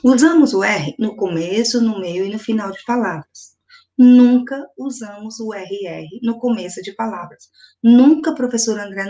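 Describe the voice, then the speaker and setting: Brazilian woman teaching first graders. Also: medium pitch. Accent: Brazilian Portuguese. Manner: slow, emphatic, repeats example words. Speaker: primary school teacher. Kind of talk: video lesson for first graders.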